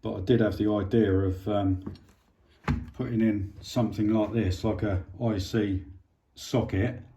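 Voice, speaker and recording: British guy talking thru a repair as he works, soft mellow tone, hesitant, bit of background noise. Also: fairly low pitch, fairly even intonation, measured pace. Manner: informal, hesitant, thinking aloud while working. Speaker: hobbyist presenter of an electronics repair. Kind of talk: casual hands-on repair demonstration.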